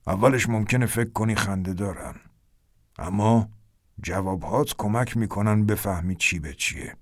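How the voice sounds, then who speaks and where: A man voicing a grave, white-browed older man who speaks in a low, slow, measured hush. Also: dry recording, natural voice.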